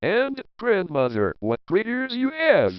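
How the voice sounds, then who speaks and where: A man's voice: high voice, wildly swooping pitch, takes it slowly, clean tone, dry recording, dull audio, voice pushed up, full character voice. A man voicing a sweet, trusting little girl in a storybook, polite and innocent. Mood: amazed. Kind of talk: storybook character voice.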